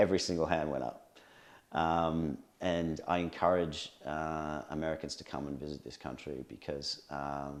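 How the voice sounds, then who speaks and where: A man with an Australian accent at a very deep, low pitch, with fairly even intonation, a moderate pace and big swings in loudness. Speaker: police crisis negotiator. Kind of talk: casual interview chat. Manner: halting, many fillers.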